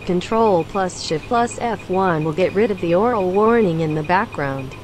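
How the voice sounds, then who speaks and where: A synthetic female voice reading donation messages in a flat, mechanical way. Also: lowish voice, normal speed, slight background noise. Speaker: donation text-to-speech voice.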